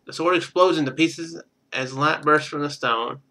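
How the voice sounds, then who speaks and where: A man doing casual game stream commentary, thinking out loud and reading text from the screen. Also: a little high, normal speed. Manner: thinks out loud, muttering to himself.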